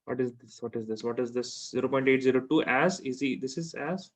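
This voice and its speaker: Speaking briskly at a medium pitch, this man, a chemistry teacher with a South Asian accent, gives informal one-on-one tutoring. He repeats himself and frequently checks with questions that he's being understood.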